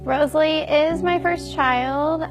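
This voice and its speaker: A woman's voice: high voice, fairly even intonation, takes it slowly, music in the background. A woman in her twenties speaking frankly and matter-of-factly in a documentary interview. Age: 20s.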